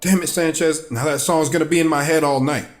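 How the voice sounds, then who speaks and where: An actor playing a stubborn, frustrated police officer with a gruff way of talking in an audio drama. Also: male voice, on the high side, fairly even intonation, fairly quick, lightly acted. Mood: grudging. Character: stubborn, frustrated male police officer, protective of troubled kids. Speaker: police detective.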